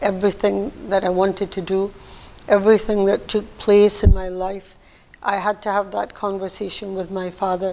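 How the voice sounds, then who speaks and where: A woman's flat, monotone delivery at a moderate pace over noticeable background noise. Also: medium pitch for a woman. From Lossiemouth, Scotland. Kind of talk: oral history interview.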